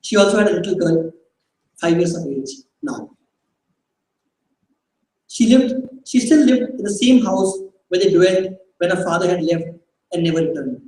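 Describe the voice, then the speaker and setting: A man reads a story to a live crowd, hesitant and often correcting himself. His voice is notably high for a man. It echoes strongly through a large hall and sounds distant, with faint noise underneath. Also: normal speed, pauses often, darkish tone. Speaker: performer reading a short story aloud.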